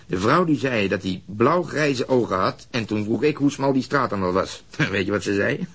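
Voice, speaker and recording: Gruff male detective, low-pitched, irritable, blunt, defensive, radio drama. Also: lively intonation, normal speed, a bit bright, full character voice. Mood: mocking, amused. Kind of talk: naturalistic Dutch radio drama acting.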